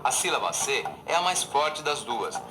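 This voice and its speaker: A man's voice: mid-range voice, very animated, moderate pace. A man with a Brazilian accent giving scripted educational narration in a didactic way. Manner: didactic, clear examples. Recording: voice-over over loud music.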